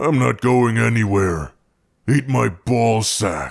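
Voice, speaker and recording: A man puts on a character voice at medium pitch, talking at a fairly slow pace. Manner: gruff, defiant.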